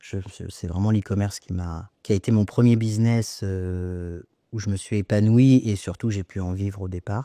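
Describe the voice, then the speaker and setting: In a very clean recording with a silent background and a dry, close sound with no echo, a man speaks at a moderate pace with a dark, mellow tone, fairly low pitch, and fairly even intonation. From France. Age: 40s. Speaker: entrepreneur. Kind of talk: interview.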